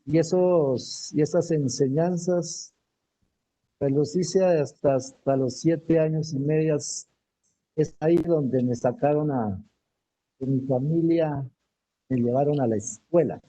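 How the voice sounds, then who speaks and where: A middle-aged Misak man from Cauca whose first language is Namuy Wam, recalling his childhood in a halting way and repeating words as he searches. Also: fairly high pitch, mellow, poor audio. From Misak community, Cauca, Colombia. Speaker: teacher, panel guest. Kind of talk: panel talk, personal memories.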